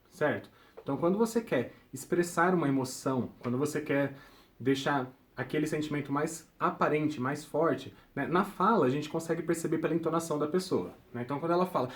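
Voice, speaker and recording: A young man teaching a recorded grammar lesson, ending nearly every point with a quick check-in question to his students. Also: fairly high pitch. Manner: ends points with check-in tags like "tudo bem?".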